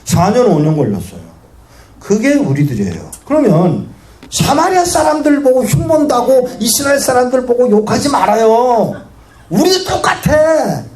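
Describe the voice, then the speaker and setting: A male guest pastor preaching a sermon to a congregation, telling stories and asking the audience questions. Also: extremely high pitch. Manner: animated storytelling preacher who asks the audience questions. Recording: echoey hall with faint noise.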